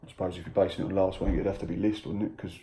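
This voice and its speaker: Fast-talking, dark-voiced man hosting football chat. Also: deep voice, fairly even intonation. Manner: chatty, teasing, quick asides. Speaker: podcast host. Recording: echoey room.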